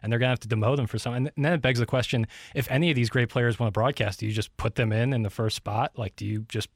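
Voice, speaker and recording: A man's voice: medium pitch, fairly even intonation, no echo, studio quality. A man co-hosting a sports talk show, chatting casually and agreeably and asking the questions. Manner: quick, agreeable, asks the questions. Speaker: sports radio co-host.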